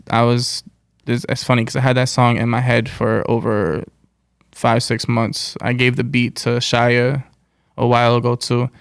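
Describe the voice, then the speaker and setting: An American man chats as an interview guest in a loose, slangy way. His voice has a gravelly edge but stays smooth, and his pitch moves little. The sound is close and dry. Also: no room sound. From United States. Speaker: interview guest, musician and producer. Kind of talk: casual chat, slangy.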